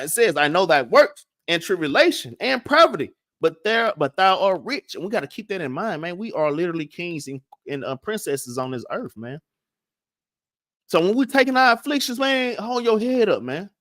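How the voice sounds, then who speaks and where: This Southern man's high, somewhat bright voice carries a casual Bible class, recorded in clean studio sound with no echo. His delivery is full of stutters and restarts, peppered with "man" and "all right?"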